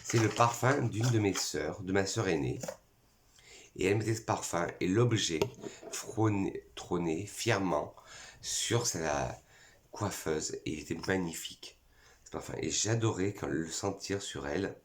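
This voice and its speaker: A French man presenting perfume bottles in a casual vlog, a little hoarse from a cold, eagerly listing scent notes one by one. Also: low voice, unhurried. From France. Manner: enthusiastic, lists notes one by one. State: has a cold, voice cracking. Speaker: perfume YouTuber.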